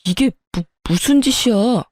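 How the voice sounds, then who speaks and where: A woman's voice: fairly high pitch, animated, measured pace, darkish tone, no echo, clean studio sound. A woman voicing a selfish, hot-tempered young husband in a read-aloud story, blustering and stammering when flustered.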